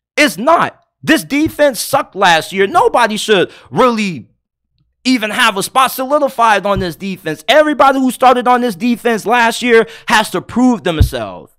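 Over music in the background, a man talks at a moderate pace with an extremely high pitch. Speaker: sports commentator. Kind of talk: angry rant. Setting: solo video commentary. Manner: indignant, emphatic. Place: home room. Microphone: studio mic.

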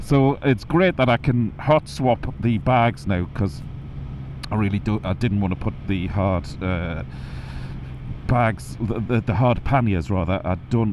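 Very wide pitch swings at a fairly slow pace, over noticeable background noise, in a dry sound with no echo. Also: man. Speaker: motorcycle vlogger. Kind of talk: casual vlog chat. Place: motorbike. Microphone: lapel.

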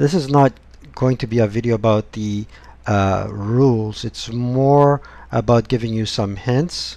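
The man's tone is dark and mellow, and his pace is fairly slow. The sound is dry, with no echo. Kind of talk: commentary. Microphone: webcam.

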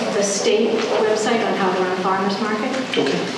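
Amid strong room echo and noticeable background noise, a woman speaks at a fairly quick pace. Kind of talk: informal presentation at a public meeting. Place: meeting room. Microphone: camera far.

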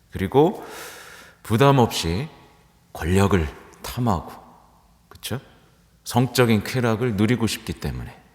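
Speaking at a very slow pace with long, frequent pauses, the voice carries lively intonation and vocal fry. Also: man, fairly low pitch for a man. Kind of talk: homily. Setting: church. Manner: conversational, frequent rhetorical questions.

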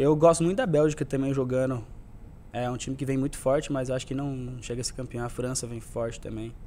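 A man speaks in a dark, mellow tone at a fairly quick pace. His intonation is fairly even, with light background noise. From Brazil, São Paulo state and others. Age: 20s. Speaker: football player; podcast guest. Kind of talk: interview; interview answer. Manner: halting. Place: studio. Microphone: studio mic.

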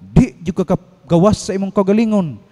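A man's dark, mellow tone at a moderate pace over a quiet background. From Philippines, Mindanao. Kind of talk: homily. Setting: church. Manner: earnest, exhortative; conversational, code-switching. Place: church. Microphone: podium.

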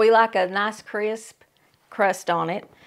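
Her intonation flat and monotone, a woman speaks. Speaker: home cook host. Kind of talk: tutorial. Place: kitchen. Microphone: lapel.

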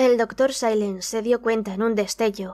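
A woman with a fairly high pitch uses a dark, mellow yet theatrical tone at a moderate pace in a very clean recording with a silent background. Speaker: audiobook narrator. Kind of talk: dramatic audiobook narration of a gothic story, with character voices. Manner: measured, suspenseful, hushed tone building tension; changes voice for each character, formal and theatrical.

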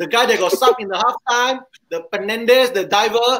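Extremely high pitch from a man with a Singaporean accent, a bright, sharp tone and ordinary pitch variation. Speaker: football podcast host. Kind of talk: casual fan talk show. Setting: video call. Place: home room.

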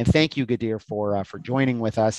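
A man in a dry sound with no echo against a quiet background. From Canada. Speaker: advocacy organization executive. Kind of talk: greeting speech. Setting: video call from hotel room. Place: home room. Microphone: video call.

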